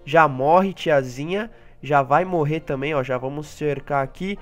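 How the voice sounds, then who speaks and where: A man with a Brazilian Portuguese accent giving excitable live commentary on his gameplay. He talks straight to his audience and often jumps into high yelps and laughter. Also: a little slow, faint music behind. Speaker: gaming YouTuber.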